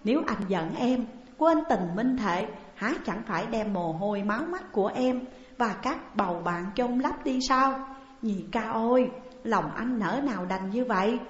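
A woman's voice: fairly high pitch, animated, unhurried. A woman voicing a young man who pleads tearfully with his elder sworn brother, in a storybook reading. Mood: pleading, tearful. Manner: pleading, plaintive. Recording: dull echoey hall recording.

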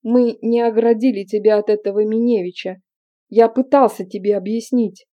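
A woman voicing a steady young man, a twin, who speaks in an earnest, apologetic way, in an audiobook. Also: on the high side, moderate pace, close to an everyday voice. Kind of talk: audiobook character reading. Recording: dull lo-fi recording.

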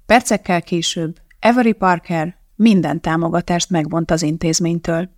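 An audiobook narrator giving a measured scripted reading of a novel. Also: medium pitch, steady tone, no echo, clean studio sound.

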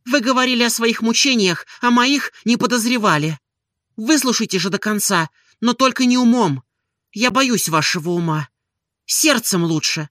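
A woman's voice: fairly high pitch, normal speed, fairly bright tone, dry recording, studio quality, voice pushed up, natural voice. A reader voicing an ashamed young woman in love, speaking in an emotional, pleading way. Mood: anguished pleading.

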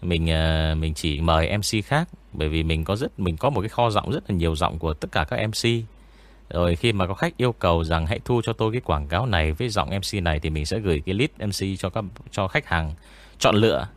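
A man with an eerie, spooky voice that sits low chats as a ghost story narrator. The casual interview is relaxed and rambling, with frequent pauses.

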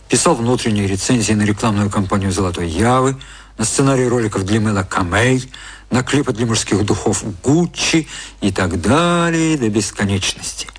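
A male actor narrates a literary radio drama from a script, measured and detached, in a husky voice on the low side.

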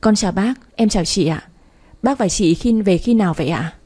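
A shy, timid young woman from an audio story who answers politely and hesitantly, voiced by a woman. The voice is mellow and soft with a breathy edge, and. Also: medium pitch, fairly quick, natural voice.

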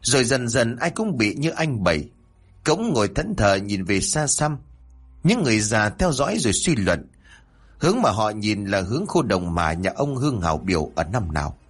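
A man with a Southern Vietnamese accent narrating a village horror story in an expressive storytelling manner. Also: lowish voice, normal speed, husky.

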